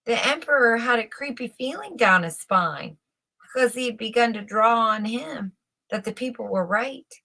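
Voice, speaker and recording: A woman narrating a fairy tale as storyteller, expressive, theatrical and deliberate. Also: fairly high pitch.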